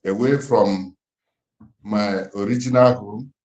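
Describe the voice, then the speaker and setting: A Nigerian man in his fifties, speaking slowly and gravely over a phone call, with an emphatic, almost preaching manner. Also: on the low side, fairly even intonation, a little mellow. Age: 50s. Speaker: interviewer on a call. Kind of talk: impassioned questioning, near-sermon. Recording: echoey phone-call audio.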